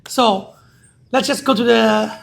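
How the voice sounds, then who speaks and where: This host speaks English with a Chinese accent and a husky, slightly breathy tone. The questions come short and direct, often echoing an answer back to check it before moving on. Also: medium pitch, steady tone, takes it slowly. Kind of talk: casual interview.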